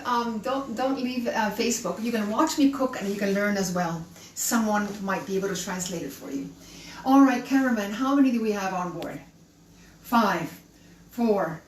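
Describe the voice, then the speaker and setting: Chatty woman host, roomy distant sound. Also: on the high side. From Canada and Chile. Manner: chatty, welcoming, addresses viewers directly. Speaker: cooking show host. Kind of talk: live cooking stream. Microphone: camera held by her son at a distance. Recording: roomy and distant with faint hum.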